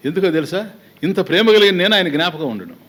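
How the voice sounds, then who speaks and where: A man's voice: sits high, quick pace. Man, Telugu accent, swami, spiritual discourse, chatty, rhetorical questions, middle-aged. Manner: lively, conversational, rhetorical questions, acts out quoted exchanges. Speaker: swami giving a Vedanta discourse.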